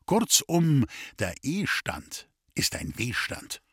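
A man's voice: medium pitch, wildly swooping pitch, takes it slowly, slightly rough, no echo, studio quality, exaggerated voice. A man reading a grumbling old Swabian who preaches against marriage in strings of proverbs, as an audiobook figure. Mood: grumbling lecture. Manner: sententious, reeling off proverbs.

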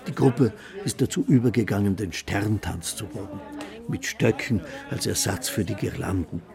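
A man's voice: on the low side, moderate pace, vocal fry, crowd noise. A man narrating a scripted documentary report as a reporter.

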